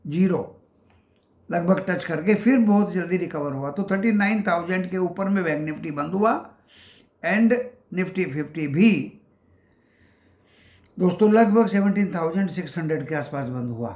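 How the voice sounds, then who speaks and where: Calling his audience friends, a stock market channel host talks casually about the market and works through price levels with many pauses. The high-pitched, slightly mellow voice sounds reverberant.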